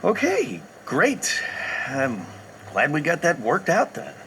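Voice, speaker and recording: A man's voice: on the high side, huge pitch swings, slow pace, fairly bright tone, a little hiss or hum, heavily acted. An actor playing a good-humored young man who answers with wry, easygoing remarks.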